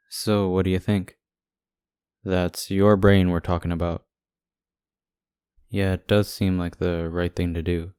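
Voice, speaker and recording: A man's voice: low-pitched, a little mellow, smooth, no echo. A man playing a devoted, protective boyfriend in an ASMR audio roleplay, talking casually and conversationally.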